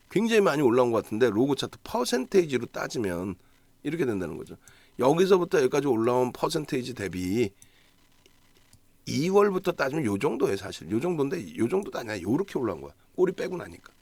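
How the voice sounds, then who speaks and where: A man's voice: medium pitch, big pitch swings, a little fast, a little mellow, dry recording. A man giving a solo stock market analysis broadcast, talking emphatically, asking himself rhetorical questions and checking in with the audience.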